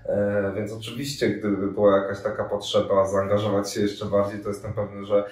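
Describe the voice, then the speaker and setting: A man in his thirties, a volunteer coordinator, answers interview questions in a fairly low, level, darkish voice at a fairly quick pace. He is hesitant, with many fillers and restarts. The indoor room with armchairs and a radiator sounds echoey, and the mic is at a distance.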